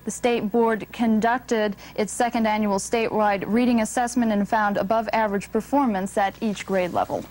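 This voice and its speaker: A woman with an American accent reading a scripted local newscast in a measured, formal anchor's delivery. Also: medium pitch, fairly even intonation, a little mellow, poor audio. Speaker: TV news anchor. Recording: old TV broadcast with background noise.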